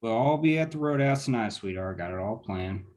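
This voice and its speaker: A man's voice: fairly low pitch, expressive, fairly quick, darkish tone, close to an everyday voice. A man reading the part of a confident, decisive small-town leader in a drama, folksy and clipped. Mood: reassuring. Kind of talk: screenplay table read.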